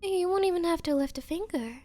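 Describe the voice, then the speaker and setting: A woman playing a nervous, obsessive young woman on a date in an anime-style ASMR roleplay, speaking haltingly and flustered. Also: very high-pitched, animated, warm tone. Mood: eager, flustered. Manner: halting, flustered, breathy hesitations. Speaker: roleplay voice performer.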